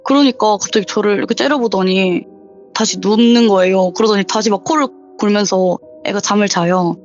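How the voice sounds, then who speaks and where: Soft music plays behind a brisk, mid-range female voice on a muffled voice call. She's a viewer in her twenties, calling in to tell a true scary story chattily and acting out what people said.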